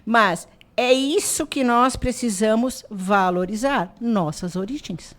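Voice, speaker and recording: A woman, president of an artisan association, telling animated stories in a radio interview and acting out quoted dialogue. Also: on the high side, takes it slowly. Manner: animated storyteller who acts out quoted dialogue.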